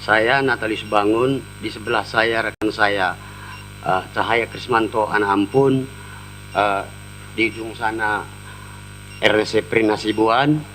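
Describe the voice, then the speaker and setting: A lawyer speaks formally and deferentially to a committee, pausing often on fillers. His voice sits somewhat low. A faint hum lies under the recording. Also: fairly even intonation, sharp tone, poor audio. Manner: hesitant, many fillers, deferential. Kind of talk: formal address to a parliamentary committee.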